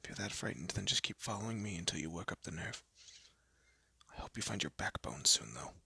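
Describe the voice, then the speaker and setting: A man playing a haughty but secretly soft young elf prince in a scripted roleplay audio drama, with a pompous, formal manner and a breathy, often hushed voice. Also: deep voice, lively intonation, brisk, no room sound, heavily acted. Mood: urgent, curt. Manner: pompous, formal, flustered stammering.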